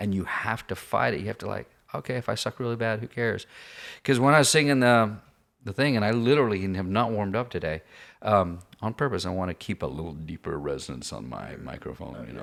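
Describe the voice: A man's fairly low voice at a very fast pace with lively intonation, in a very clean recording over a silent background.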